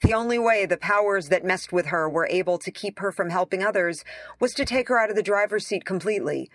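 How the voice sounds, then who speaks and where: A woman's voice: mid-range voice, fairly quick, no echo, poor audio. Female essay narrator, mid-range voice, conversational and opinionated, wry emphasis, very dry close recording. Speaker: essayist reading their own article aloud.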